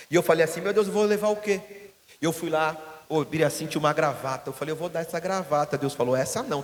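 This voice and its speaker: A man preaching a sermon as pastor in a church hall, telling stories and acting out the voices of the people in them. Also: fairly high pitch. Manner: storytelling, acting out quoted voices. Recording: long hall reverb.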